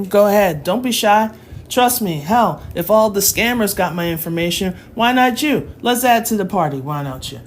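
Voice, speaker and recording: A woman's voice: mid-range voice, slight background noise. A woman math tutor in her forties, chatting and teasing her live chat between lessons, talking into her phone at home. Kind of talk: casual livestream lesson.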